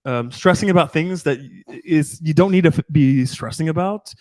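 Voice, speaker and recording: A dating coach in his thirties talks casually and at length on a podcast, rambling, swearing often, and restarting his sentences. His voice is a little high with a darkish tone, at normal speed, and there's no echo.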